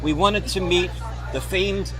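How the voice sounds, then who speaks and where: A man hosting an on-location podcast, reporting and interviewing in an excitable, exaggerated manner. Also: sits high, unhurried. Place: busy crowded event at an old asylum. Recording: crowded location with music behind. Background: crowd noise and music.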